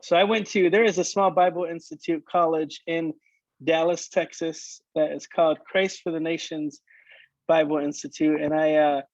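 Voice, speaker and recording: A man's voice: a little high, flat delivery, no echo, highs cut off. A man in his late thirties from Michigan, chatting casually about his life with frequent restarts and fillers. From Michigan, United States. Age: late 30s. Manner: halting, many restarts and fillers. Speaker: worship leader guest. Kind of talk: casual conversation.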